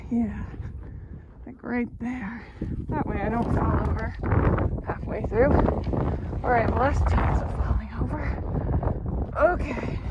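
Over loud background noise, a woman speaks at a very slow pace with long, frequent pauses, the sound dry with no echo. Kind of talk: casual vlog chat. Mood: nervous, excited. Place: open country. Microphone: phone near.

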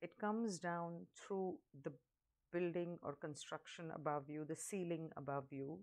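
A woman with a fairly low pitch and ordinary pitch variation speaks in a normal speaking voice. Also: fairly slow pace. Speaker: meditation guide and tarot reader. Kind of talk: guided meditation. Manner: slow, calm, soothing; gently instructive, steady.

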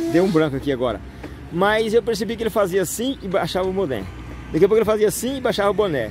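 A man's high-pitched voice at a very fast pace, with lively intonation, dry sound with no echo, and noticeable background noise. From Brazil. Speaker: travel vlogger. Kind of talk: travel vlog narration. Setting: outdoors. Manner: animated. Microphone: phone near.

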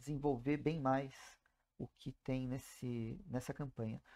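A woman speaks at a fairly slow pace with a very deep, low pitch. The recording is very clean, with a silent background. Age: 40s. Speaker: YouTuber reviewing crowdfunding projects. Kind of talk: solo video commentary.

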